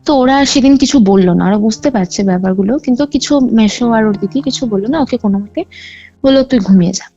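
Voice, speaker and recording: A woman caller recounts a ghost story in a rambling way, full of fillers and restarts. Her voice sits a little high and has a dark, gravelly grain. The call sounds dull and lo-fi, with faint music underneath. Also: quick pace. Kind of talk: casual storytelling over a phone call.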